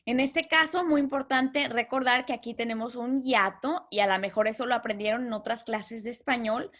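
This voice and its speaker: Patient woman teaching, a bit high. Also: fairly even intonation, a bit bright. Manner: patient, repeats terms, claps out syllables slowly. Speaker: Spanish literature teacher. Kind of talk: explanatory lesson.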